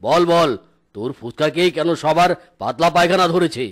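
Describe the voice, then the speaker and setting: Man doing a stern tiger uncle, commanding, slightly high voice, cartoon. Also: normal speed, lightly acted. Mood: interrogating. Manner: commanding, interrogating. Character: stern bossy tiger uncle, village judge. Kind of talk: cartoon voice acting.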